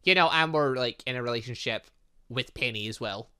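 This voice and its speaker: A man's voice: mid-range voice, a little fast, bright, forceful tone, clean tone. A man chatting his way through a visual novel, thinking aloud and reading game text with playful little sound effects. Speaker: gaming YouTuber.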